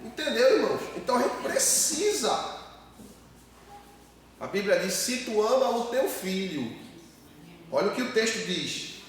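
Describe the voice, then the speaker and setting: A man's voice: high-pitched, big pitch swings, measured pace, pauses often. A man pastor preaching a sermon with emphatic repetition, calling the congregation brothers. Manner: emphatic, repeats words, addresses congregation as brothers. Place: church. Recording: echoey hall, mic far off, faint noise.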